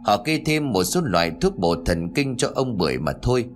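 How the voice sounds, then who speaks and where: A male storyteller reading a scripted folk story with expressive, dramatic delivery. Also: lowish voice, brisk. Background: faint music.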